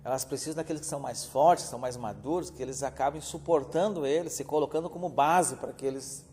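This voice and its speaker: A man's voice: medium pitch, fast, a little mellow, slight background noise. A man, a pastor teaching a theology class, speaking earnestly and often checking in with his listeners as brothers. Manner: earnest, addresses listeners as brothers, many filler "né". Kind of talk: classroom Bible lecture. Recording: reverberant hall.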